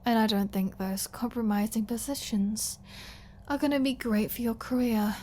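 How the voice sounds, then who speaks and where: A woman playing a flirty, starving captive vampire in an ASMR roleplay, halting and teasing, with breathy asides and pleading. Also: fairly high pitch, fairly even intonation, darkish tone, slight background noise, natural voice. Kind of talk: ASMR roleplay audio drama.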